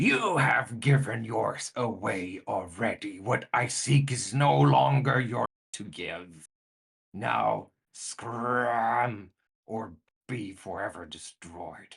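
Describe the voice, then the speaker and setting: Putting on a character voice, a man bellows in a raspy, medium-pitched tone at a very slow pace. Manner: bellowing, menacing.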